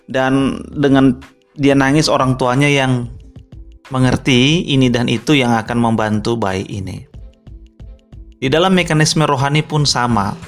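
A man giving a reflective sermon-style teaching, thinking aloud with fillers and rhetorical questions. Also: medium pitch. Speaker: preacher.

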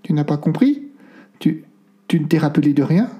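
A man reading aloud and voicing a worried, secretive older grandmother who speaks in a soft, hesitant way. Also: a little high, lively intonation, moderate pace, pitched above the performer's own voice, natural voice. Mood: evasive.

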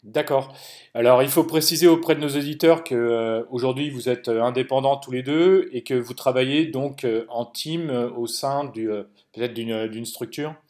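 A man's voice: mid-range voice, normal speed, darkish tone. A man hosting an interview, asking questions hesitantly with many fillers. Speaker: podcast host. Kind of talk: interviewing guests.

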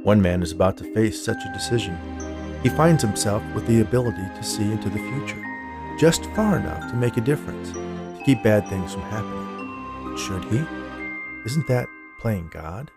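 Low-voiced man narrating a suspense story. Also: expressive, loud music behind the voice. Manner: measured, dramatic delivery with deliberate pauses. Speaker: podcast host and narrator.

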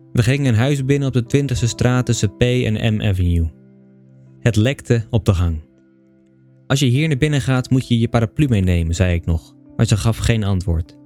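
A man reading a bedtime story aloud in calm, even scripted narration with a dry, understated manner. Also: medium pitch. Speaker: audiobook reader.

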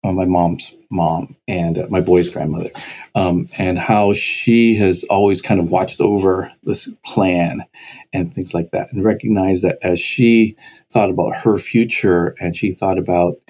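A man, a pastor, speaking in a heartfelt, sober way with halting phrases in a conversation. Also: low-pitched, fairly even intonation, darkish tone, slightly rough. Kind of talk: conversation on a podcast.

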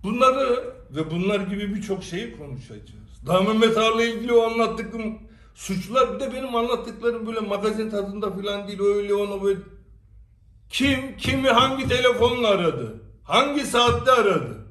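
High-voiced man, emphatic, echoey and distant. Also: lively intonation, fairly quick, a bit bright. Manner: emphatic, storytelling, rhetorical questions. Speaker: commentator addressing followers. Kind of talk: direct-to-camera monologue. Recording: echoey room, away from the mic.

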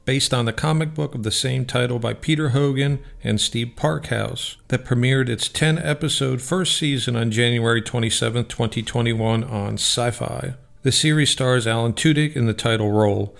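A man's voice: mid-range voice, fairly even intonation, normal speed, gravelly, hardly any pauses. A man reading scripted narration as a radio show host, in a plain, factual manner.

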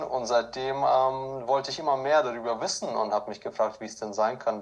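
A man born in Ukraine and raised in southern Germany, a podcast guest, telling relaxed stories with many fillers. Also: mid-range voice. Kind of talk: conversational interview.

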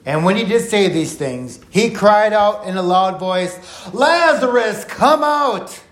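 A man teaching through a Bible passage on a podcast, telling it in an earnest, reflective way and slowing down for emphasis. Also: high-pitched, lively intonation. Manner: earnest, reflective storytelling with slow emphatic quotes. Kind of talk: podcast Bible study talk. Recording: echoey room.

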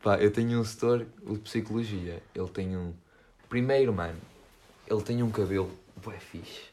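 Low-voiced young man, slangy. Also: moderate pace, dark tone. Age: young adult. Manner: slangy, informal. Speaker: podcast co-host. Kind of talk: casual chat.

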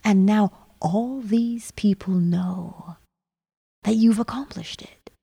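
A woman softly narrating a guided meditation in a soothing manner, with gravelly fry and breathy phrase endings that trail toward a whisper. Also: mid-range voice, takes it slowly. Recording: long reverb on the voice.

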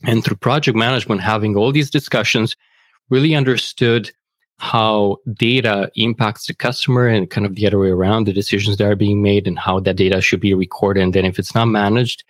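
A man from Romania with a Romanian accent, a guest telling his story in a relaxed, friendly way. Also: fairly low pitch, brisk, no echo. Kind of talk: casual interview.

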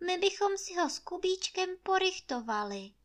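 A woman's voice: very high-pitched, big pitch swings, voice pushed up. A woman voicing a meek but cunning young peasant housemaid who pleads humbly and sweetly in a storybook reading. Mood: wheedling. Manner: humble, wheedling, sugary pleading.

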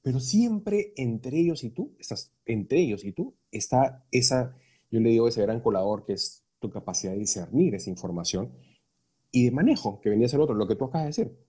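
A man's voice: medium pitch, animated, a little fast, mellow, husky. A man in a casual conversation, reflecting and explaining with everyday examples and frequent tag questions.

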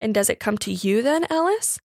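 A woman's voice: a little high, sing-song, a little fast, a little mellow, no echo. Storybook master, read by a woman: amused, formal, reasoning, mildly condescending, recorded dry. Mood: amused, surprised. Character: genteel, amused Victorian master of the house.

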